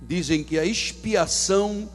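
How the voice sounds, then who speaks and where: A man pastor, preaching a sermon from the pulpit with theatrical swings between loud and hushed delivery. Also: high-pitched, a little slow, faint music behind. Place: church sanctuary.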